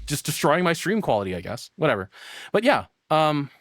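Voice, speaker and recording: A man's voice: a little high, very animated, moderate pace, fairly bright tone, no room sound. An American man rambling casually on a livestream, often interrupting himself and swearing mildly. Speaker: streamer reacting to a video; voice actor.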